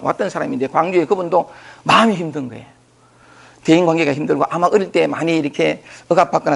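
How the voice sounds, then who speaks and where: Gravelly-voiced man giving a dharma talk. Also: a little high. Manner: conversational, loose and repetitive, thinking aloud with many fillers. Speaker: spiritual teacher lecturing on scripture. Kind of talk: informal dharma talk to a group.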